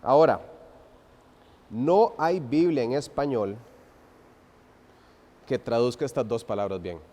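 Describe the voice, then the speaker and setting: A man preaching an expository sermon, swinging from loud emphasis to hushed, drawn-out phrases and asking the congregation rhetorical questions. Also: medium pitch, animated. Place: church sanctuary. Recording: long reverb of a church hall.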